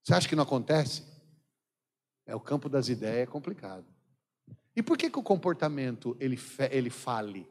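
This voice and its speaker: A Brazilian man with a São Paulo accent preaches a sermon in a large church hall, and his mid-pitched voice rings out with a long reverb. He tells stories with a joking edge, laughing often and acting out what people said. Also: very animated, brisk, pauses often, a little mellow. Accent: Brazilian Portuguese, São Paulo. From São Paulo state, Brazil. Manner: jokey storytelling, acts out quoted dialogue, laughs often. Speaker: missionary preacher.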